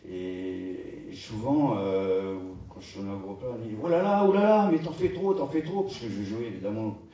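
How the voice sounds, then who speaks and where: A man, an actor on a festival panel, talking hesitantly with many pauses and trailing off. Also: fairly low pitch, animated, warm tone. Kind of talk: panel talk. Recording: roomy hall, distant mic, faint noise.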